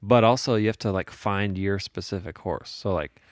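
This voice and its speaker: A man's voice: on the low side, moderate pace, no echo, clean studio sound. An American man co-hosting a podcast, telling stories in casual comedic banter. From United States. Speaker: podcast co-host.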